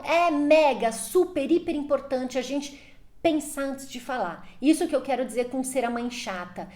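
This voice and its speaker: High-voiced Brazilian woman giving emphatic advice. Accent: Brazilian Portuguese. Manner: emphatic, addresses viewers directly with rhetorical questions. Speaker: parenting advice vlogger. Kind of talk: direct-to-camera advice talk.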